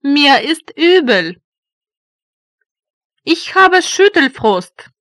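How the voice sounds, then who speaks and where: A woman reading German phrases slowly and deliberately for learners, repeating each one. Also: high voice, sing-song, fairly bright tone, no room sound, studio quality. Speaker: German language teacher voice. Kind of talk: slow phrase drills for learners.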